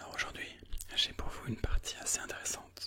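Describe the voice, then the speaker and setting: Someone is whispering amid noticeable background noise. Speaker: ASMR creator. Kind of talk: ASMR chess commentary. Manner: whispered.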